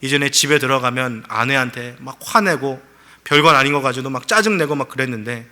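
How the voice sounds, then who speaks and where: A man's voice: mid-range voice, a little fast, bright, forceful tone. A middle-aged male pastor preaching a sermon, telling a story with acted-out quotes and rising to fervent pleas.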